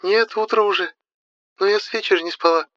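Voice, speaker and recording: A man voicing a tired young wife and mother who sounds drowsy and resigned, speaking softly. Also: sits high, fairly even intonation, brisk, dry recording, highs cut off, pitched above the performer's own voice. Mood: sleepy. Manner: drowsy, hopeless, soft.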